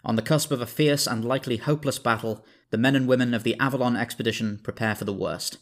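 A man's voice: mid-range voice, steady tone, fast. A man, the writer and director of an audio drama, giving a scripted introduction. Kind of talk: scripted narration.

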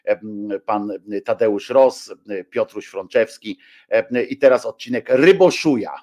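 A man's voice: medium pitch, darkish tone. Hesitant male radio host. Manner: hesitant, full of drawn-out fillers. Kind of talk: casual radio talk, reading listener messages.

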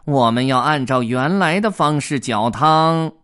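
A man's voice: medium pitch, takes it slowly, gravelly, bright, forceful tone, pitched above the performer's own voice, exaggerated voice. A man doing a bossy grumpy storybook cat. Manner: curt, scolding, adds meows. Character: stern grumpy house cat, gruff and bossy. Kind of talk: children's storybook reading.

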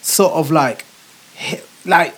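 A man's voice: on the high side, slow, fairly bright tone, rough recording. A man with a London accent talking casually as a podcast host, in roadman street slang. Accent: London, urban street slang. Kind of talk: casual chat.

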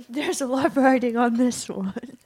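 A woman's voice: fairly high pitch, unhurried, a little mellow, slightly rough. A woman co-hosting a podcast, chatting in an upbeat, giggly way about an awards show as it airs. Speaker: podcast co-host. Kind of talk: casual live commentary.

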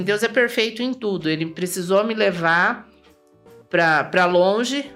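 A Brazilian woman as an interview guest, telling a personal story in a lively way, acting out remembered dialogue and often tagging her sentences with "né?". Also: medium pitch. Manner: lively, acts out remembered dialogue, tags lines with "né?".

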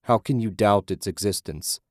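A calm, grim blind man leading strangers through the tunnels, done by a male narrator. His voice is deep and matter-of-fact. The recording is dry and close. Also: moderate pace, no room sound, lightly acted.

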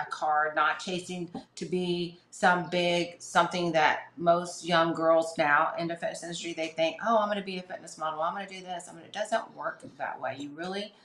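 Middle-aged woman, podcast guest, chatty and rambling, low voice, echoey room. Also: fairly bright tone. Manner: chatty, many fillers and restarts. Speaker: podcast guest, fitness competitor. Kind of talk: casual storytelling interview.

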